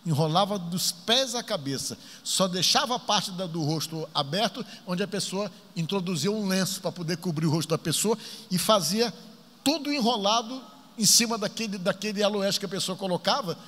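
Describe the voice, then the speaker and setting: A male pastor tells a Bible story from the pulpit with animated, dramatic emphasis. His voice sits high and sounds bright and forceful. A long reverb trails behind him in the church. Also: normal speed.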